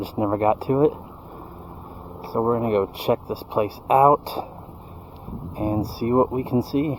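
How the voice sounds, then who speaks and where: Noticeable background noise sits behind a man of medium pitch who speaks at a moderate pace with fairly even intonation. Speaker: travel vlogger. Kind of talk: casual vlog narration. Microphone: poor camera mic.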